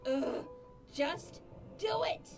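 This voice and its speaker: Very high, boastful cartoon villainess. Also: female voice, animated, extremely slow, music in the background, exaggerated voice. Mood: frantic. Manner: pompous, dramatic. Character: boastful, theatrical female villain, great and powerful. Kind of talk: dramatized cartoon parody dialogue.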